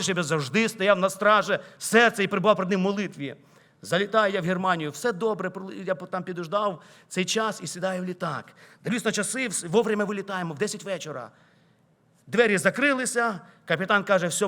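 A man with a Ukrainian accent preaching a sermon, telling a personal story and building to loud exclamations. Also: high-pitched, fast talker. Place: church sanctuary.

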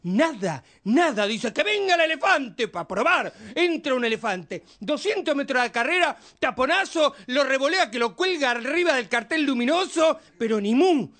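On a TV show, a man with an Argentine accent puts on a high, squeaky voice, playing a cheeky, playful grown-up joker as he rattles through stand-up jokes and acts out their characters. His rowdy delivery is lively in intonation, a bit bright and moderately paced, with hardly any pauses.

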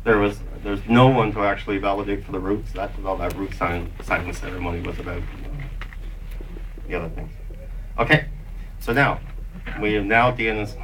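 A man's voice: on the low side, fairly even intonation, moderate pace, pauses often, a bit bright. An older man hosting a live demonstration in a jokey, off-the-cuff explanatory style. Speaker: presenter hosting a staged demonstration. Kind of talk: informal live explanatory narration. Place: conference meeting room with an audience. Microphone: handheld mic, picked up by far camera. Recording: distant, noisy room camera pickup.

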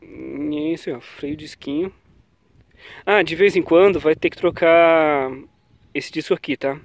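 With a cold, a cycling vlogger chats loosely to his action camera about bike brakes while outdoors on a quiet paved road. His voice is slightly high and his pace slightly slow, and he keeps trailing off with little "tá?" and "né?" checks.

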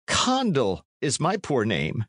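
A man's voice: mid-range voice, wildly swooping pitch, takes it slowly, fairly bright tone, no room sound, clean studio sound, voice pushed up, full character voice. A man voicing a poor, cringing old peasant in a storybook, servile and pleading as he protests.

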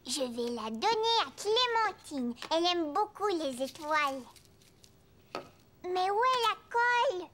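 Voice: extremely high pitch, very animated, slow pace, bright, forceful tone, a little hiss or hum, heavily acted. A performer voicing a cheerful, curious four-year-old boy in a children's cartoon, with simple childlike phrasing. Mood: eager. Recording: music behind.

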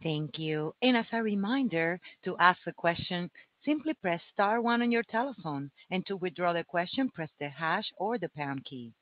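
A man's voice: high voice, lively intonation, normal speed, hardly any pauses, no echo. A man working as a conference call operator, giving routine scripted instructions. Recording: dull conference line audio.

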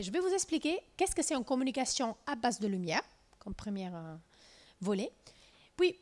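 Italian-accented woman lecturing with a handheld mic. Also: high voice. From southern Italy. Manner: lively storytelling, many fillers and restarts. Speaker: physics lecturer. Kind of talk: lecture with slides. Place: lecture room.

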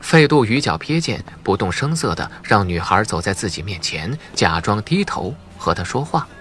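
A man's voice: lowish voice, very animated, normal speed, fairly bright tone, a little hiss or hum. A man narrating a suspense novel as a dramatic scripted audiobook. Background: faint music.

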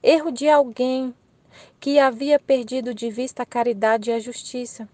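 A calm, patient Jesus speaks in a soft, even voice, read by a Brazilian woman. The voice sits fairly high and the recording is dry and close. There is no room sound behind it. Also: normal speed, dry recording, close to an everyday voice. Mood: gentle. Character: gentle patient Jesus, grown man, calm teacher.

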